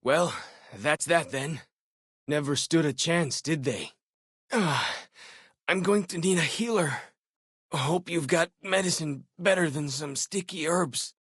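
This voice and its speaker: A man's voice: a little high, slow, a bit bright, husky, dry recording, clean studio sound, exaggerated voice. A man voicing an eager young tribal scout in a video game, a loyal, slightly jumpy companion with a casual, wry and earnest way of talking. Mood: casual, unsure. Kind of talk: video game character voice acting.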